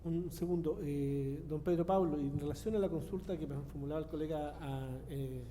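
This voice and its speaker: Mellow formal man, moderating. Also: fairly high pitch, fairly quick. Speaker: panel moderator. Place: large auditorium. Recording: reverberant hall, faint noise.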